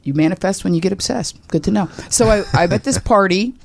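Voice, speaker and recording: A woman in her sixties, a radio talk host, telling a personal story as a guest, exclaiming loudly and acting out quotes with big leaps in pitch. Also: fairly quick, creaky, a little hiss or hum.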